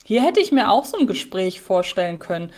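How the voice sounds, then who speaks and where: A woman's voice: mid-range voice, sing-song, a little fast. A woman co-hosting a podcast, reflecting at length in casual chat about a radio play. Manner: reflective, rambling, thinks aloud. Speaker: podcast co-host.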